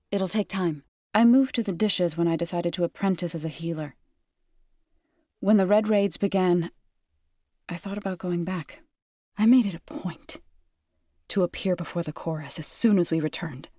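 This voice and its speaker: An earnest tribal healer for a sci-fi game. Her voice sits fairly low and is recorded close and dry. She speaks with measured gravity and formal, careful phrasing, like someone carrying a duty to her people. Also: darkish tone, no echo. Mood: calm, informative, then reflective, firm. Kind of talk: scripted video game character dialogue.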